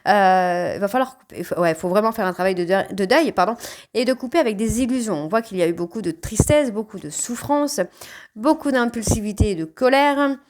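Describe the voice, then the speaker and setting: A woman's voice: medium pitch, brisk, darkish tone. Woman, tarot reader, northern French ch'ti accent, chatty, casual spoken reading, keeps adding "hein". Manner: chatty, frequent "hein" tags.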